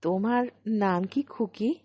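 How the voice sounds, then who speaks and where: A woman voicing a kindly, mild male tutor in an audio story, hesitant and gently inquisitive. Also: mid-range voice, takes it slowly, husky, no room sound. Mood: gently asking. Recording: slightly dull, lo-fi recording.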